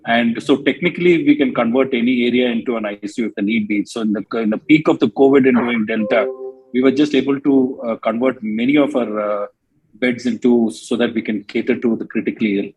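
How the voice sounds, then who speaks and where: A man with an Indian accent speaking as an executive answering questions on an earnings call in a hesitant, halting way. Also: medium pitch, steady tone, darkish tone, lo-fi sound. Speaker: hospital company executive.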